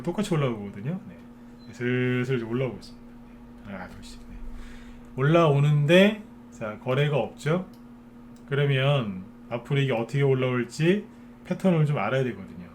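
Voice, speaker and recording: Man, stock market commentator, chatty live lecture, mid-pitched voice, faint noise behind. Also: lively intonation, a little fast. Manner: chatty, many filler "ne" and tag questions to viewers.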